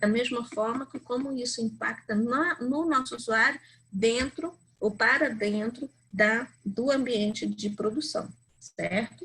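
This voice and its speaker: A woman with vocal fry and a bright, sharp tone speaks at a fairly slow pace. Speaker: university lecturer. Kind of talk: online lecture. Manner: halting, with many fillers.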